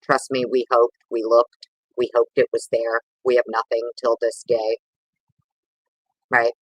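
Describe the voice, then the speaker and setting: A man's voice: mid-range voice, completely flat delivery, a little slow, slightly rough, no echo, poor audio. A man hosting a casual livestream, chatting with viewers in a rambling, over-caffeinated, sweary way. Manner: informal, sweary slang. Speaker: livestream host.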